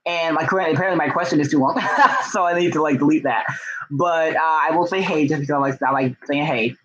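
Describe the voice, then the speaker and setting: A young man hosts a casual livestream about books in a fairly high voice. He talks in a gushing, excitable way, with lots of slang. The sound is a bit dull and lo-fi. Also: brisk, noisy background. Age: young adult. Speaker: book vlogger and writer hosting a livestream. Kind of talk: casual, chatty livestream talk.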